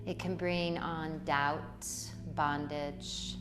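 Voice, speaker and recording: A woman leading a guided meditation in a poetic, soothing way, with deliberate phrasing and long pauses. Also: low voice, flat delivery. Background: music.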